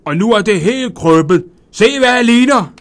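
A man voicing a grumpy little old male farm elf with a white beard, shouting and hot-tempered. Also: medium pitch, sing-song. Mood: furious.

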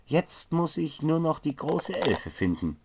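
A man's voice: a little high, very animated, a little slow, darkish tone, husky, pitched above the performer's own voice, heavily acted. A man playing a clumsy, easily annoyed, sturdy wizard's apprentice who hesitates and stammers in a fantasy audio story. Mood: determined. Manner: hesitant, stammering with filler sounds.

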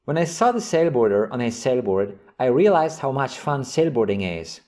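A man hosting an English vocabulary lesson, reading example sentences and definitions slowly and clearly. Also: medium pitch, very animated, dark tone. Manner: slow, carefully enunciated reading of example sentences. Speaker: English teacher.

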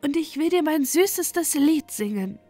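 A woman voicing a small, earnest female nightingale with a high, yearning voice, over faint soft music. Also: expressive, a little slow. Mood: pleading.

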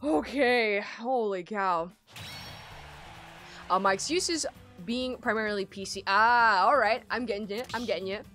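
A young woman hosting a casual game stream, loud and excitable, her throat strained from screaming. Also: medium pitch, unhurried. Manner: loud, excitable, shrieks at plays. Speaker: streamer host. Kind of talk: casual gaming stream chat. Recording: light game music behind.

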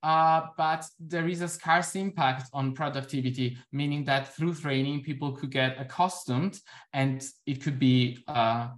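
Speaking through a laptop webcam from an indoor room at home, a young adult conference presenter whose first language is Italian talks and answers questions about his research. His medium-pitched voice is steady and unhurried, punctuated by frequent ums.

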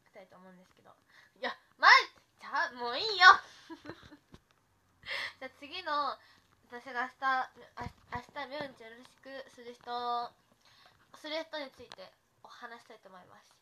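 Young woman idol, very bright and sharp, excitable livestream chatter, faint hiss behind. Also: a little high, normal speed. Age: young adult. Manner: giggly, excitable, rambling with many restarts. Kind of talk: casual livestream chat.

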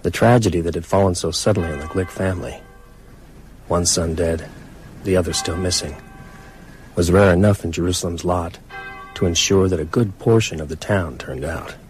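A man's voice: low voice, moderate pace, a little mellow, soft background music, close to an everyday voice, low-quality recording. An actor playing a brooding, reserved widowed man in an understated, hesitant way in a radio drama. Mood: sombre narration.

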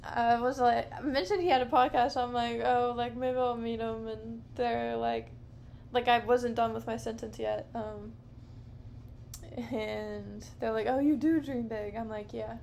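A thirties-something woman, alone on her podcast at night in a dim living room, meanders slowly and softly through casual chatter, leaning on fillers. Her fairly high, creaky voice holds a steady tone, recorded close by a handheld or low-stand camera with a little hiss or hum.

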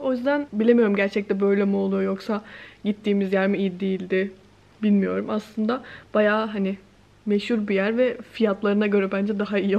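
A woman's voice: mid-range voice, vocal fry, darkish tone. A woman, chatting casually to the camera in a giggly, hesitant way. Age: late twenties. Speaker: vlogger. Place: bright living room with plants by windows; some clips in a mall and restaurant. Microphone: camera at arm's length. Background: music.

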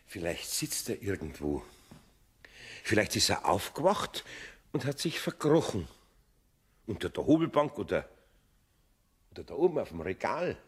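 An actor playing a kindly middle-aged Bavarian carpenter in a radio play, muttering to himself and bursting into exclamations. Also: male voice, lowish voice, big pitch swings, normal speed, long pauses, breathy edge, full character voice. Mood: anxious, wistful.

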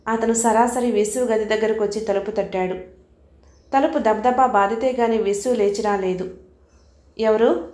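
A woman reading a novel aloud as an audiobook narrator, in a steady, expressive storytelling manner. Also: mid-range voice, moderate pace. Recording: roomy echo.

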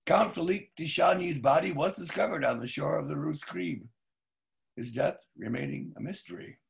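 An older man playing a grave, wistful storyteller, measured and slightly halting, in a staged reading over a video call. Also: on the high side, vocal fry. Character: grave, wistful male storyteller recounting mystery. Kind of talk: dramatic narration in staged reading. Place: book-lined home room, video call.

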